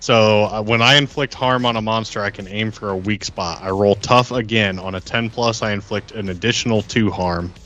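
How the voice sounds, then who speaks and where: A man's voice: fairly low pitch, normal speed, few pauses, fairly bright tone, highs cut off, soft background music. A man playing a tabletop game on a podcast, talking casually through rules and dice rolls.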